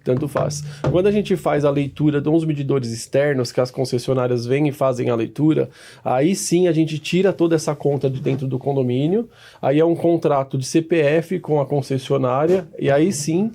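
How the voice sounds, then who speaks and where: Gravelly, higher-pitched Brazilian man. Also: moderate pace, warm tone. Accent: Brazilian, São Paulo. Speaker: gas specialist guest. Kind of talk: conversational technical explanation.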